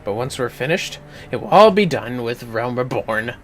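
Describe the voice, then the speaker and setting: A man's voice: medium pitch, animated, moderate pace, a bit bright, a little hiss or hum. A man casually chatting to viewers on a gaming livestream, rambling and swearing as he talks to himself. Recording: music playing behind the voice. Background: clear music.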